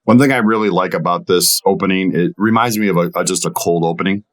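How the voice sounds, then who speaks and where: Deep voiced guy, podcast guest, casual chat, kinda halting and measured. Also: a bit bright. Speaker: guest voice actor. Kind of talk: casual interview and commentary.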